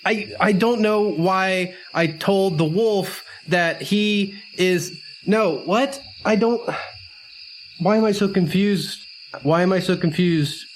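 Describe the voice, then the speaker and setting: Male game player, quite high voice, slow halting flustered banter, faint night-insect ambience. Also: a little hiss or hum. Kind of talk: improvised in-character banter.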